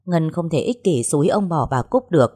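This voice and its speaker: A woman narrating a dramatic family story in a steady, measured scripted reading. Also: low voice, husky.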